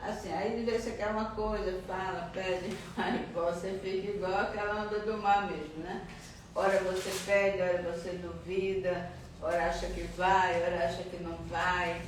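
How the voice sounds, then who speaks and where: Woman class member confiding, echoey room, distant mic with clear background noise. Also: on the low side, steady tone, moderate pace. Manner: earnest, hesitant, confiding. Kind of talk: candid sharing in class.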